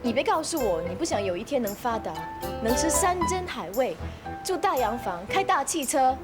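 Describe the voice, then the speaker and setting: A woman's voice: high-pitched, very animated, normal speed. An actress playing a sarcastic, materialistic young woman teasing a friend in a TV drama. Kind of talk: TV drama acting. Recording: dialogue under loud music.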